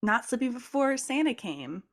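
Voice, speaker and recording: A woman's voice: a little high, big pitch swings, normal speed. A woman co-hosting a casual chat podcast, playful and jokey, with frequent fillers. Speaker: podcast co-host.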